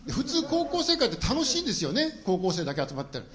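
A man's voice: high-pitched, wildly swooping pitch, fast, crowd noise. A middle-aged man preaching a sermon, telling humorous stories about himself to the congregation. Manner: humorous personal storytelling to a congregation. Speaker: pastor.

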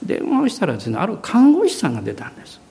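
A middle-aged man preaching a sermon and telling a personal story, acting out quoted voices, with many fillers and pauses. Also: sits high, huge pitch swings, creaky, dark tone. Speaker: pastor.

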